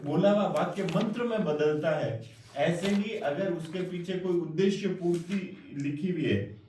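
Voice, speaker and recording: A man's voice: high-pitched, measured pace, darkish tone. A man in a group reading discussion, patiently explaining with everyday examples. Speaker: discussion participant. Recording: echoey room, far from mic, faint noise.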